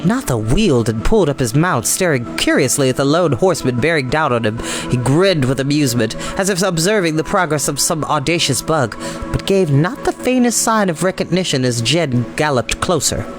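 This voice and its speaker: Guy with a slightly high voice doing dramatic audiobook narration, music clearly playing behind him. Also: expressive, a little fast. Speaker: storyteller reading a novel aloud. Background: background music.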